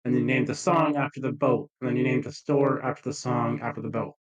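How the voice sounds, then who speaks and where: A man's voice: medium pitch, steady tone, brisk. A man playing a tabletop game, bantering casually and improvising on a slightly dull microphone.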